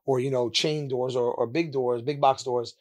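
A man in his thirties from India, a podcast guest telling his story in a candid, animated way with quick laughs, speaking into a studio mic. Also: mid-range voice. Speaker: podcast guest, sneaker store owner. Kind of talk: casual interview chat. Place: sneaker-lined studio, indoors. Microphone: mounted podcast mic with headphones.

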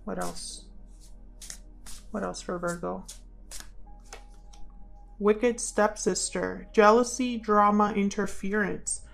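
A woman with a creaky, mid-pitched voice talks viewers through a tarot reading in a casual, musing way. She sometimes addresses spirit guides as she goes. Music plays faintly behind her. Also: fairly even intonation, slow, long pauses. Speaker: tarot reader and channel host.

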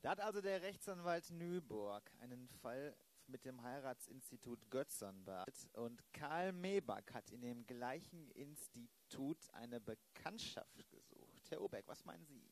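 Man playing a formal police detective, mid-pitched. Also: lively intonation, rough recording. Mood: businesslike. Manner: formal, deliberate, direct. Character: polite, businesslike male police detective. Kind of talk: improvised radio play acting.

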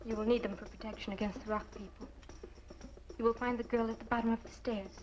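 A woman's voice: fairly high pitch, steady tone, fast, a little hiss or hum, close to an everyday voice. An actress playing a devoted, resolute alien moon woman, earnest and formal in 1950s B-movie style. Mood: earnest, urgent. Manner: earnest, formal, uncontracted phrasing. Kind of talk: 1950s science fiction B-movie acting. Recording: dull old film soundtrack, loud music.

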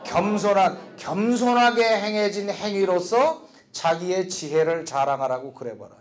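A man teaching a lecture class, explaining quickly between slow, repeated English drill phrases. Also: high voice.

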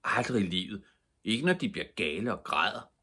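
A man's voice: on the low side, big pitch swings, pushed and bright, slightly rough, pitched above the performer's own voice, heavily acted. A man voicing a stubborn young girl in a storybook reading. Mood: defiant.

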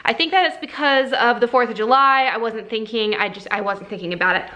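A young woman chats casually into her camera at home, rambling through little updates with plenty of ums and likes. Her voice sits a little high and sounds bright and forward. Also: fairly quick. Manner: chatty, many fillers, baby-talks to her puppy. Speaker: vlogger and small shop owner. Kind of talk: casual vlog chat. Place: home office.

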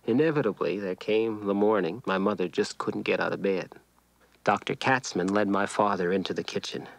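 A man's voice: lowish voice, normal speed, gravelly, no room sound, poor audio. A man narrating a scripted first-person story about his childhood.

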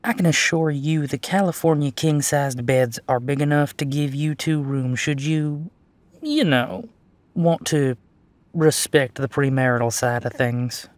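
A woman's voice: sits low, a little slow, dry recording. A woman playing a friendly, chatty hotel desk clerk in an audio roleplay, with polite, coy customer-service patter. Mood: coy cheerful.

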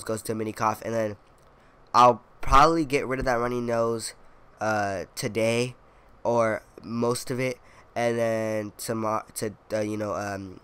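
A man's voice: mid-range voice, fairly bright tone, clear, resonant tone. A young man with a stuffy, congested voice and a cough, rambling casually over his gameplay commentary with lots of fillers and playful boasting. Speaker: gaming video creator.

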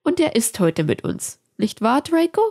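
Hermine from a read-aloud story, voiced by a woman, a friendly young woman with a firm edge. Her voice sits clearly higher than the narration and moves in a lively way. She asks things pointedly, kind but not to be fooled. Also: normal speed. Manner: friendly, then pointed questioning.

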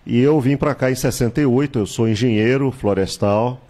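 A man, a candidate recounting his life in a studio interview, measured and reminiscing, with hesitations and tag questions, on a handheld mic. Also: medium pitch, warm tone. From Salvador, Bahia, Brazil. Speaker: political candidate, guest. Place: small TV studio with virtual set.

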